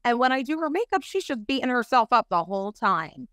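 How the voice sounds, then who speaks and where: A woman makeup artist, a guest on a podcast, talking in an animated, chatty way full of fillers. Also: on the high side, fairly quick, no echo. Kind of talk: casual chat.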